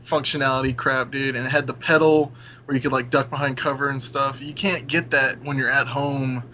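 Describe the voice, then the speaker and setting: A man's voice: medium pitch, sharp tone. A young man in a casual gaming discussion, giving opinions in an emphatic, slangy, informal way. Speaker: podcast panelist. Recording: muffled audio with clear background noise.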